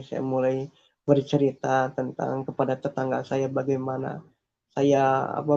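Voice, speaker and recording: With a dark, mid-range voice, a testimony speaker earnestly shares his faith story, repeating himself and hesitating often. The audio has a dull, lo-fi character.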